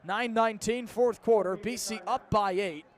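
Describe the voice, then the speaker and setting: A man in his twenties with an American accent calling live football on radio as play-by-play announcer, in crisp, detail-packed phrases. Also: high voice, moderate pace. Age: 20s.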